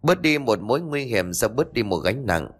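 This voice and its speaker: A man voicing a cunning, sharp-tongued old man who scolds and bullies a lodger in a spoken ghost story. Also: medium pitch, very animated, normal speed. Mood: scolding. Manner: scolding, blunt.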